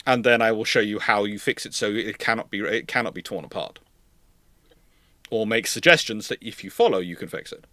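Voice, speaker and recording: Bright-voiced man explaining, dry close sound. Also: on the low side, a little fast, no echo. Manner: hesitant repetitions, emphatic restating. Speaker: host of a naval history livestream, consultant. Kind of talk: live question-and-answer talk, explaining.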